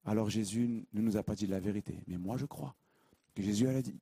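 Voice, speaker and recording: A man preaching a sermon, reading scripture and then teaching, emphatic and repeating his key phrases as his voice swings from loud to hushed. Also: lowish voice, a little fast, gravelly, husky.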